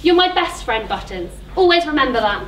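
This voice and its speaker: A young woman playing a sweet, excitable, gushing Cinderella in an amateur stage pantomime. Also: high-pitched, a little fast. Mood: tender, firm. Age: young adult. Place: stage in a theatre hall. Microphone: distant camera. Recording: echoey, noisy theatre hall from far off.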